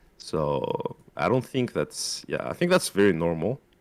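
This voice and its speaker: A man with a North African accent on a very clean recording with a silent background. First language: Berber. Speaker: streamer. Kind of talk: casual chat.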